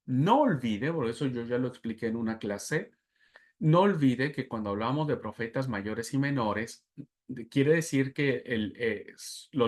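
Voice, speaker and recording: Man, Bible teacher, patient lecturing, repeats himself, mid-pitched. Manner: explanatory, repeats key terms and asks "¿verdad?". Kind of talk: lecturing a class.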